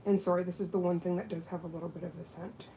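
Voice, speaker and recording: A woman's voice: fairly low pitch, level tone, very fast, background noise. Chatty Canadian woman doing nails. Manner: chatty, bubbly, laughs often. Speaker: nail technician. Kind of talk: casual chat while working.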